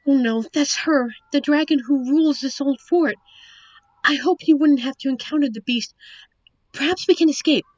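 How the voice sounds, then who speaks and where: A woman's voice: high voice, moderate pace, a little mellow, no room sound, lo-fi sound, lightly acted. A woman playing a sheltered young princess in a fantasy audio drama, fussy, eager and melodramatic. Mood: anxious, eager. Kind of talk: fantasy audio roleplay acting.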